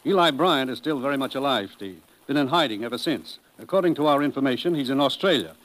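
An actor playing a businesslike intelligence commissioner in a 1950s radio drama, brisk and matter-of-fact. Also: male voice, mid-range voice, lively intonation, fairly bright tone, close to an everyday voice, rough recording. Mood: grave, informative. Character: businesslike male intelligence commissioner briefing his agent. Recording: vintage 1950s radio broadcast.

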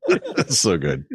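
A man's voice: mid-range voice, vocal fry, husky, dry recording, studio quality. A man co-hosting a tech podcast, rambling through half-remembered references with self-deprecating jokes and frequent laughter. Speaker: co-host. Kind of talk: casual tech show chat.

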